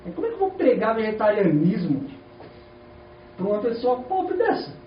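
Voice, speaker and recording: A Brazilian man preaches to his congregation, and his voice runs high and swings a lot in pitch. He keeps asking questions and answering them himself. The sound is muffled and roomy, picked up from a distance with faint ambience behind. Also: normal speed, a little hiss or hum. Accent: Brazilian Portuguese. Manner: animated, rhetorical questions to the congregation. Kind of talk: sermon. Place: church hall. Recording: echoey, distant, dull church recording.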